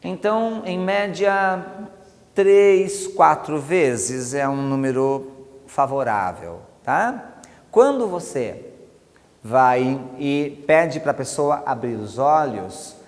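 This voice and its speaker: A man with a Brazilian Portuguese accent teaching a hypnosis technique step by step and acting out slow, soothing commands. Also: a little high, expressive. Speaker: hypnosis instructor. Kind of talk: teaching a technique with spoken demonstrations. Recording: long hall reverb.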